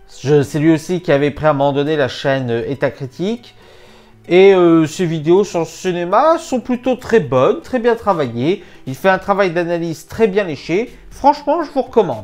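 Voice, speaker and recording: The talking moves at a moderate pace. Behind it, music plays in the background. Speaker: YouTube film critic. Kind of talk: video review commentary.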